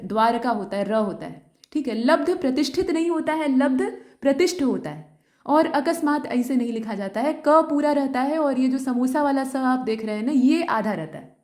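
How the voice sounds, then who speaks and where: A woman with a high, light voice works through exam questions as a teacher. She explains steadily and often stops to confirm that each point is clear. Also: a little mellow. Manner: explanatory, repeats points with frequent checks. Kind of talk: exam answer key explanation.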